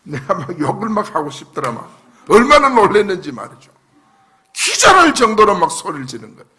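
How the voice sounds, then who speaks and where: Fervent high-voiced male preacher. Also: wildly swooping pitch, a little fast. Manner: fervent, swings between loud shouts and low asides. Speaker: pastor. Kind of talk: sermon. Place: church sanctuary.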